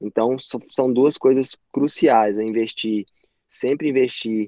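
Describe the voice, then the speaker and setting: Dry and close with no echo, a man's voice moves at a very slow pace with ordinary pitch variation. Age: 40s. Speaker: cycling coach and athlete. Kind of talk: interview.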